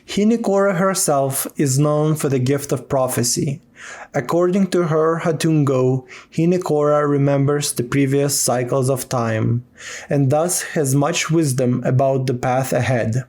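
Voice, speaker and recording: An actor playing an earnest tribal chronicler in a video game, narrating lore in a measured way. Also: male voice, medium pitch, a little mellow, close to an everyday voice.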